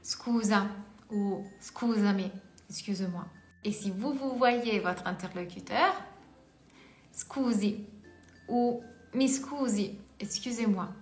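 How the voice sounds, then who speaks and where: Slow-speaking woman teaching Italian words. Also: mid-range voice. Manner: says each Italian word twice, then gives its French meaning. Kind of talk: slow beginner language lesson, repeating each word. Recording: echoey room with faint music.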